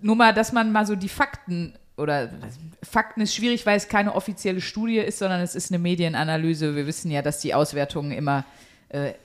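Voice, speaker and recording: A woman's voice: lowish voice, a little fast. Playful woman hosting a casual chat. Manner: colloquial, playful. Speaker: podcast host.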